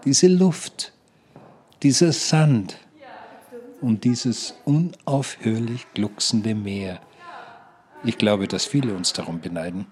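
An actor playing an elderly, naive care home resident in a radio play, earnestly and haltingly talking up his situation. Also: on the low side, darkish tone. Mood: doggedly upbeat. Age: older. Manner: earnest, halting, repetitive persuading. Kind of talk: German radio play acting.

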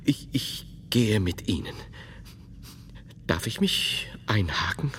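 An actor playing a solemn, learned medieval monk in a radio play, speaking in a formal, pondering and deliberate manner. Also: male voice, lowish voice, expressive, fairly bright tone, a little hiss or hum.

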